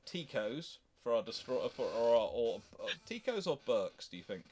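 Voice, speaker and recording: A man hosting a casual naval history stream, explaining in a halting, digressive way and often correcting himself mid-thought. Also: medium pitch, sing-song, a little mellow, a little hiss or hum. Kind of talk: casual unscripted expert discussion. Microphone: voice call or live stream microphone.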